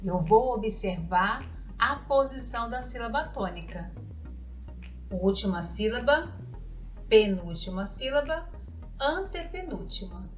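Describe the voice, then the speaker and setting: Speaking in a fairly high, expressive voice, a woman leads a grammar lesson for kids, reading example words aloud and posing questions. Her delivery is slow and deliberate as she spells out the examples. Faint music plays under dull, lo-fi audio.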